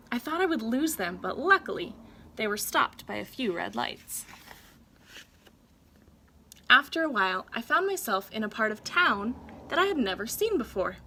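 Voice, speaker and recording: A woman reading a children's story aloud like a teacher, with deliberate, dramatic phrasing for young listeners. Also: on the high side, pushed and bright, slight background noise.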